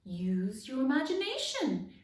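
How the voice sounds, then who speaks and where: Woman playing a grand, drawn-out theatrical frog actor. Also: high voice, huge pitch swings, pitched above the performer's own voice, full character voice. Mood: courtly, theatrical. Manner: declamatory, drawn-out, elaborate enunciation. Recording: roomy echo, distant mic, faint noise.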